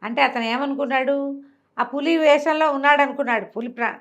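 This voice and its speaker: A woman's voice: high voice, steady tone, brisk, lo-fi sound. A woman with a Telugu accent telling a folk tale conversationally, explaining as she goes and acting out dialogue in her own voice. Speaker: storyteller.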